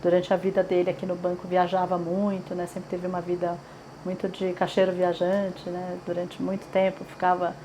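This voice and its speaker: A woman's voice: fairly low pitch, monotone, normal speed, noisy background. A woman in her forties from São Paulo with a paulistano accent, chatting in an oral history interview with many fillers and tag questions. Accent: Paulistano Brazilian Portuguese. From São Paulo, Brazil.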